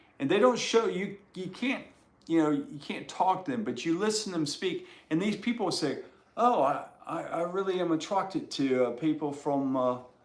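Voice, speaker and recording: At a moderate pace and with lively intonation, someone speaks with an American accent in a space with audible room echo. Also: man, high pitch for a man. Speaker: guitar shop owner and streamer. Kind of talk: live stream chat. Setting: live stream. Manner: casual, rambling with fillers.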